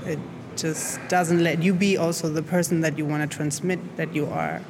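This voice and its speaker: A woman's voice: sits low, steady tone, normal speed. Hesitant woman. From Chile. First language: Spanish. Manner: hesitant, searching for words, many fillers. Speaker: art student. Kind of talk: interview answers. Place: art academy studio. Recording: noisy recording.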